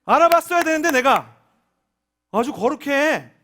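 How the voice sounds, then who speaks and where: Preacher doing a sarcastic scolding Lord, high and loud. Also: male voice, lively intonation, moderate pace, heavily acted. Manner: mocking, sarcastic, then rebuking.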